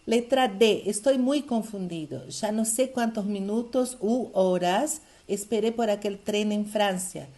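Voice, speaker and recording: A woman's voice: mid-range voice, measured pace, few pauses, warm tone. A woman teaching a Spanish grammar review lesson online, explaining answers step by step and checking in with the class as she goes.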